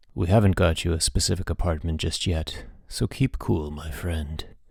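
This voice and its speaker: Using a put-on character voice, a man speaks husky and very deep, low in pitch, at a moderate pace with ordinary pitch variation, on a very clean recording with a silent background. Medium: read story. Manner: languid, smooth, ingratiating.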